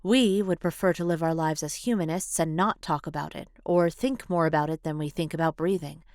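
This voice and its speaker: Low-pitched woman narrating, dry close sound. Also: fairly even intonation, brisk, a little mellow, dry recording. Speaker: audiobook narrator. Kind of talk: scripted audiobook narration. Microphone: close studio voice-over microphone.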